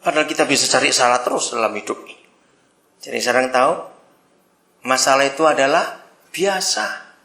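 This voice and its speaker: A male pastor preaching a sermon in a lively, teasing way, laughing along with his congregation. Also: medium pitch, brisk, pauses often, roomy sound.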